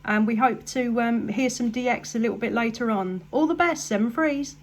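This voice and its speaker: On CB radio, a woman from England makes casual contact at a moderate pace. Her voice sits on the high side, and she comes across as cheerful and grateful.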